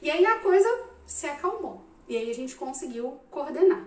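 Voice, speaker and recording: Animated high-voiced woman, echoey room. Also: normal speed. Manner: animated, addresses listeners directly with frequent "tá?". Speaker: psychologist answering parents' questions. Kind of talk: casual advice talk. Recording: roomy echo, mic at a distance.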